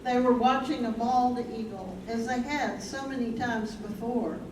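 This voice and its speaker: A woman's voice: a little high, fairly even intonation, a little slow, lightly acted. A woman reading as an ensemble narrator in a scripted staged play reading. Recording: roomy distant stage mic, loud noise.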